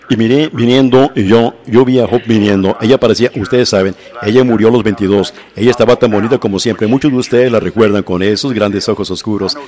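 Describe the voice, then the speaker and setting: A man with a fairly low voice preaches at an unhurried, measured pace. He retells events plainly, often stopping to repeat or restart his words. The delivery sounds like a sermon read in translation. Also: darkish tone. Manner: slow, measured storytelling with frequent restarts.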